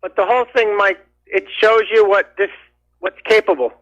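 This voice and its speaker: A man's voice: high voice, steady tone, moderate pace, fairly bright tone, dry recording. A man calling in over the phone to a talk radio show, talking in an indignant, rambling way full of restarts. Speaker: caller. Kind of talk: call-in radio chat. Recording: muffled phone line.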